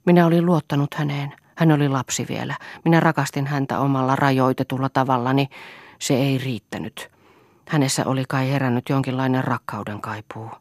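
A woman voicing a distraught middle-aged man who speaks quietly and haltingly, in an audiobook. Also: a bass voice, steady tone, no echo, clean studio sound. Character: shaken middle-aged man confessing in a hushed voice.

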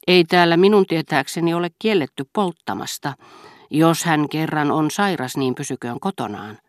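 A woman's voice: sits low, expressive, no room sound, studio quality. A woman voicing a rude, dismissive male journalist in an audiobook.

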